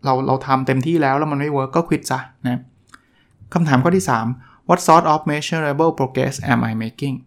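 A man's voice: on the high side, measured pace. A man casually summarizing a self-help book, explaining English terms as he goes.

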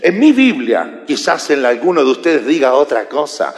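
A man preaching a sermon, animated and joking with his congregation. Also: a little high, moderate pace. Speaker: pastor. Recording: echoey hall reverb.

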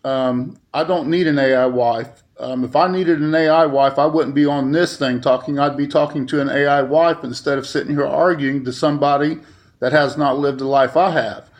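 A man's voice: medium pitch, fairly even intonation, normal speed. A man in his late fifties, a talk show guest, speaking bluntly and defending himself with emphasis. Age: 50s. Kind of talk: heated talk show argument.

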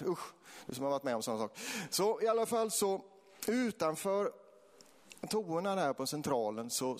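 A man's voice: medium pitch, long reverb tail. A man from Småland giving a church sermon with a Småland accent, telling personal stories with laughter and rising to fervent preaching. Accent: Småland Swedish.

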